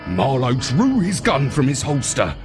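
A man narrating a children's space story in an expressive, dramatic, measured way, as a wry dog adventurer. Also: mid-range voice, soft background music.

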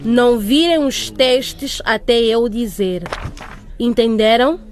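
A woman playing a strict teacher in a radio drama, giving commands deliberately. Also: on the high side. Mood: stern. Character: strict teacher starting an exam. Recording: classroom crowd murmur behind.

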